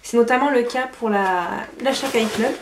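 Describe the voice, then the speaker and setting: A woman vlogger chatting through a casual product review, hesitant with fillers and quick self-corrections. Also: on the high side. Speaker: lifestyle vlogger. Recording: roomy echo, faint background noise.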